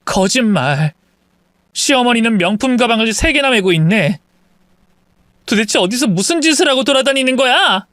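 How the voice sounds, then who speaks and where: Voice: mid-range voice, expressive, normal speed, fairly bright tone, no echo, studio quality, pitched above the performer's own voice, natural voice. A reader voicing an angry young wife who accuses her husband's family of theft, in an indignant tone. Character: angry young wife confronting thieving in-laws.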